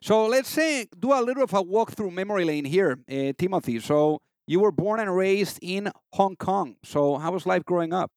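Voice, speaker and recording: A man's voice: high voice, expressive, moderate pace, few pauses, a little mellow, dry recording, studio quality. A man hosting an interview podcast, chatty and informal, with plenty of "you know" fillers. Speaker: podcast host.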